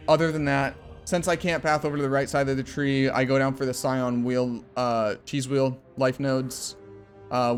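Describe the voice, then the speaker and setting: Give me a tired, slightly hoarse young man talking through a game build in a casual, rambling way, at a middle pitch. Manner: rambling, filler-heavy explanation. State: tired, losing his voice. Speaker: game build guide creator. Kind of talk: casual game guide walkthrough. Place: home room at a computer.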